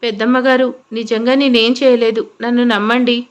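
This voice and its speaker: A woman's voice: on the high side, little pitch movement, normal speed, natural voice. A woman voicing a frightened young newlywed wife who pleads tearfully. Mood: pleading.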